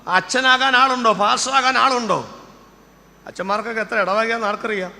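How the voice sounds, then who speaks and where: A man's voice: very high voice, a little fast, creaky, sharp tone, long reverb tail. An older man preaching a sermon, firing off rhetorical questions at his congregation with fervent intensity. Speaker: pastor.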